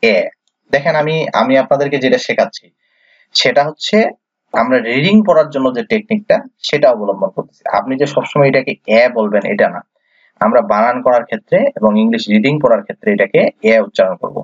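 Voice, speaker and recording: A Bangladeshi man teaches English reading in a classroom-style lesson, sounding out letters one at a time and patiently asking and answering his own questions. His mid-range voice is brisk with a breathy edge. The recording is dull, dry, and lo-fi, with no room sound.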